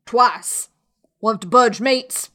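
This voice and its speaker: Woman doing a rough pirate crewman yelling to his mates, raised voice, storybook reading. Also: a little high, takes it slowly. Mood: uneasy. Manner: calling out loudly. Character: rough pirate henchmen, men calling out in alarm. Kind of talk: dramatic audiobook character voice.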